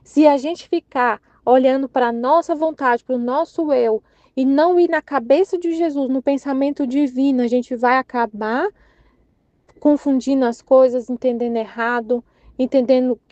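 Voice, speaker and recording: A woman's voice: high-pitched, darkish tone, no echo. A woman in her thirties with a Brazilian accent, sharing a rambling, earnest spiritual reflection in a casual way. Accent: Brazilian Portuguese. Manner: rambling, many restarts and fillers, earnest. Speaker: Catholic channel member sharing reflection. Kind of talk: casual spoken testimony. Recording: dry, slightly muffled recording.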